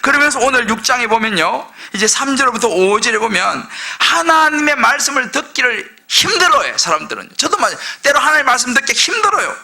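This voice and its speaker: A male senior pastor preaching a lively sermon, acting out quoted voices and leading his congregation in reading aloud. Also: extremely high pitch, fairly quick, gravelly, hardly any pauses. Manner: animated, acts out quoted voices of people and children.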